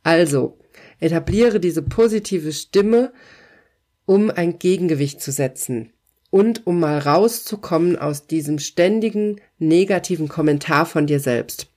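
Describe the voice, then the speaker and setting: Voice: medium pitch, unhurried. A coach who runs hypnosis sessions gives a self-help talk, speaking straight to the listener in an encouraging, emphatic way with repeated affirmations. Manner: warm, encouraging second-person address with repeated affirmations; emphatic, pointed phrasing.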